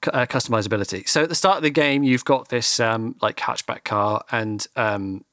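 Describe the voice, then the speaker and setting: A man's voice: medium pitch, moderate pace, a bit bright, dry recording, clean studio sound. A man ranting animatedly in casual chat as a podcast co-host, swearing freely.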